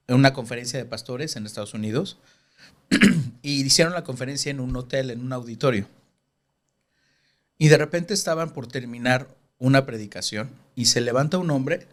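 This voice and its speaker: A man's voice: medium pitch, normal speed, pauses often. A man hosting a Christian podcast, explaining scripture earnestly in a casual chat. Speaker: podcast host.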